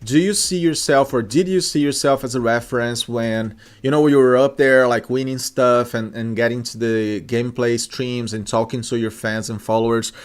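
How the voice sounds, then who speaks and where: A man's voice: mid-range voice, fairly even intonation, moderate pace, hardly any pauses. A man hosting a podcast interview, asking long friendly questions with many "uh"s and restarts. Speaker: podcast host.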